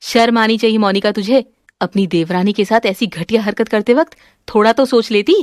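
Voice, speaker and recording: A woman's voice: medium pitch, brisk, no echo, clean studio sound, close to an everyday voice. A woman doing a stern scolding mother-in-law.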